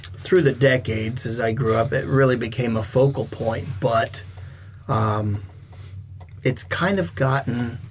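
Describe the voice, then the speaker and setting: A middle-aged man, a veteran wrestler and guest, telling stories in a casual chat, animated and swinging between loud and soft. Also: mid-range voice, unhurried, a little hiss or hum.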